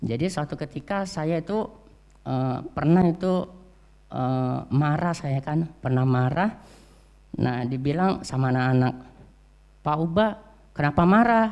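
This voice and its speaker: A man's voice: mid-range voice, unhurried, mellow, clean tone, dull audio. A man preaching a sermon in a church, talking conversationally with many "ya" and "eh" fillers as he tells stories. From Indonesia. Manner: frequent "ya" and "eh" fillers, conversational storytelling. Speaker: religion teacher.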